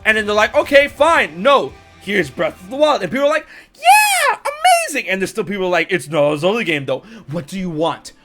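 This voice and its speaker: A man hosting a casual gaming chat, excitable and talking fast when heated, stumbling and repeating words as he goes. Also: high voice, music in the background. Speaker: podcast host.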